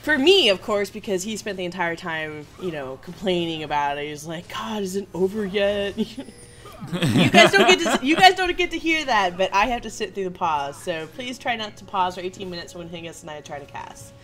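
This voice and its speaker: A woman's voice: lowish voice, lively intonation, normal speed, over music. A woman co-casting a video game match, laughing often and bantering playfully. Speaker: esports caster. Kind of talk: live game commentary.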